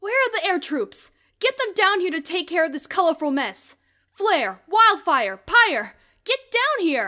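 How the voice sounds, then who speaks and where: Someone talks in a put-on character voice. The delivery moves at a moderate pace. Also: female-sounding voice, extremely high pitch for a woman, very clean recording, silent background. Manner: shouting, angry.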